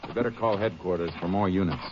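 An actor playing a tough, steady Texas Ranger in a 1950s radio western, clipped and authoritative, on a muffled old broadcast. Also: male voice, deep voice, fast, noisy background, lightly acted. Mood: brisk, decisive. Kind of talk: 1950s radio western acting and terse narration.

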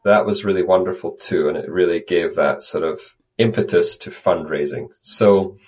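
Deep-voiced man, thoughtful and halting. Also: darkish tone. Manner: thoughtful, restarts phrases often. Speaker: conservation guest. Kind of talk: conversational interview answers.

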